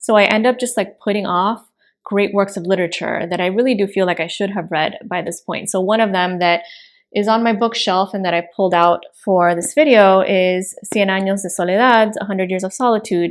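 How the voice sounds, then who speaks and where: Over a silent background on a very clean recording, a woman with a Spanish accent talks fairly quickly at medium pitch with fairly even intonation. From US, Miami. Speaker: book vlogger. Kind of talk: vlog monologue. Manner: casual.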